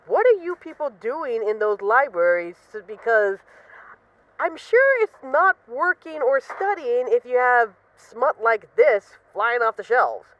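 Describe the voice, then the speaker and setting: A woman acts out a female crime boss with a lively, swooping delivery. She is wry and boastful, teasing her partner fondly as in an intimate audio roleplay, and the sound is slightly dull. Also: a little high, slow pace, dry recording. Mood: amused, scandalized. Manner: wry, boastful, teasing, mock-indignant, swearing casually. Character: witty, self-assured female mafia boss, bored, affectionately teasing her partner.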